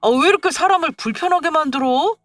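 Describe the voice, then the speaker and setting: A petulant young husband who clings to his mother, played by a woman narrator, scolding and whining in exasperation. The voice has lively, swinging pitch. It sounds dry and close, with faint music behind. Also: fast talker, no room sound. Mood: exasperated.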